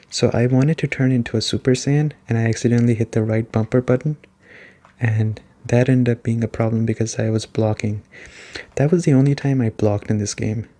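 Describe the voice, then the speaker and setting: A soft-spoken man with a dark, relaxed tone and a mid-range voice reviews a video game in ASMR style. He talks conversationally, circling back over his points to stress them. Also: medium pitch.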